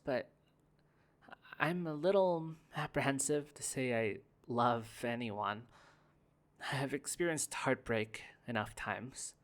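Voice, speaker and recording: A young man voicing a gentle, guarded corporate heir in an ASMR roleplay, speaking softly with stammering restarts. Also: medium pitch. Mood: wistful. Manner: soft-spoken, hesitant, stammering restarts. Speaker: roleplay performer.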